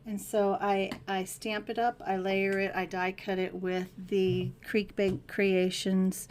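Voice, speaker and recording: Chatty woman with a scratchy voice. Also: on the low side. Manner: chatty, rambling, restarts often. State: scratchy, hoarse voice. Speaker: card-making channel host. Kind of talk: casual crafting tutorial.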